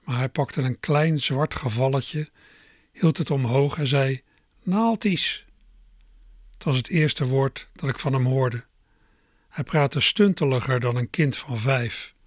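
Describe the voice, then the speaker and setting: A middle-aged man reading a first-person story aloud in a calm, measured, reflective manner. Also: mid-range voice, no room sound, studio quality. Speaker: narrator.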